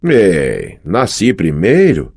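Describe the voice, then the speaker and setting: A man's voice: low-pitched, huge pitch swings, very slow, vocal fry, darkish tone, slightly rough, exaggerated voice. A man reading an audiobook, voicing a boastful, teasing young male sun god in a raised, showy voice. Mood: playful boastful. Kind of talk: audiobook character voice.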